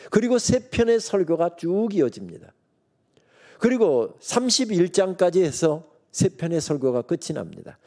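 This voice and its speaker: A middle-aged man preaches a revival sermon from the pulpit mic in a church sanctuary. His voice is mellow and somewhat high, and his pitch swings widely as he tells the story and plays its characters with humor. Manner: storytelling preacher who acts out God's and Moses' lines with humor. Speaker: guest pastor preaching at a revival meeting.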